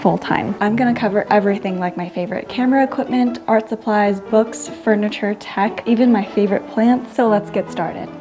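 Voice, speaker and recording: A young woman in her twenties with a quiet, soft voice, chatting casually to camera on a lapel mic in her small home studio. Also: mid-range voice, steady tone, fairly quick, hardly any pauses. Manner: chatty, enthusiastic about gear. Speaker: artist vlogger. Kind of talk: casual vlog talk to camera. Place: small plant-filled home art studio. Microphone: wireless lapel mic.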